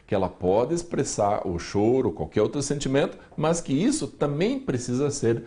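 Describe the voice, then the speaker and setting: A man explaining emotional control for children as a regular columnist on a TV news program, with a calm, explanatory manner and a Brazilian Portuguese accent. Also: mid-range voice, moderate pace. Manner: calm explanatory, acts out parents' lines. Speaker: weekly columnist on parenting.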